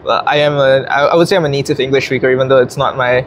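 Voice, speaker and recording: A young man from Singapore chats quickly and loosely, full of fillers, restarts and small laughs. He sounds like a student being interviewed. A faint room hum sits behind him. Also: mid-range voice, steady tone. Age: young adult. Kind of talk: casual interview chat.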